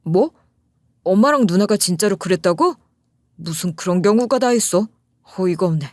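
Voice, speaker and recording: A woman's voice: mid-range voice, animated, normal speed, a little mellow, dry recording, clean studio sound, lightly acted. Woman voicing an exasperated young husband. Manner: indignant, blunt.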